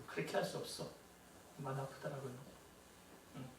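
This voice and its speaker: Heard from afar in an echoey church hall, a middle-aged man preaches as a pastor, chatting with the congregation and often asking rhetorical questions. His pitch is medium, his tone level, his speed normal. The recording is very noisy.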